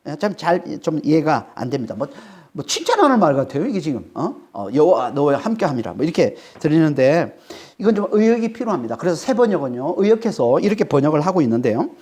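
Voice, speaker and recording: Animated Korean pastor with lively pitch. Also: male voice, fast talker. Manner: emphatic, keeps asking the congregation "eh?"; animated, rises sharply when dramatizing. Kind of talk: expository sermon.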